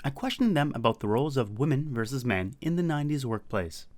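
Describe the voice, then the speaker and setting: Male host, animated pitch, clear explanatory narration and casual interview questions. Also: quick pace, a little hiss or hum.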